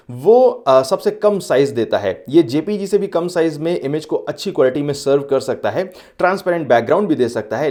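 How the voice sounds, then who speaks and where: Hindi tutorial host mixing English phrases. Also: male voice, medium pitch, darkish tone. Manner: explains step by step with everyday analogies; clear, instructive delivery with brief filler pauses. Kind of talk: scripted screen-recorded tutorial.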